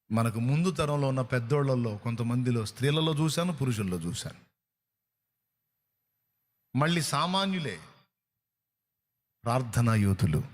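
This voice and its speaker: A man with a Telugu accent preaching a sermon, pressing his point with rhetorical questions and acting out what people say. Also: medium pitch. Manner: emphatic preaching with rhetorical questions and acted-out quotes. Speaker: pastor.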